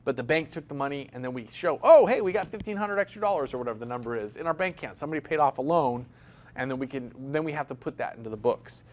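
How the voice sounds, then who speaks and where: A man's voice: mid-range voice, fast. A man teaching an accounting class in a classroom, talking casually, joking and asking his students questions. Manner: chatty, jokey, asks the class questions. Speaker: accounting instructor. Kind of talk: classroom lecture.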